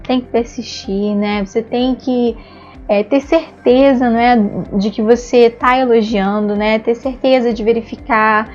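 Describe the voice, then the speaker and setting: A woman's voice: a little high, steady tone, measured pace, a little mellow, muffled recording, faint music behind. A Brazilian woman giving an online lesson on therapy, explaining patiently with frequent tag questions and acted-out examples. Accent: Brazilian Portuguese. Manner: explanatory, frequent "né?" tags, acts out praise and "no" examples. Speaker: ABA therapy instructor.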